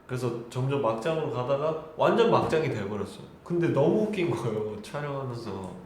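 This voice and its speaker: A man's voice: mid-range voice, lively intonation, fairly quick, darkish tone. Young guy chatting to fans on a live stream, laughs a lot, super echoey room w/ noise behind. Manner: chatty, laughing, polite speech. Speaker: idol hosting a live stream.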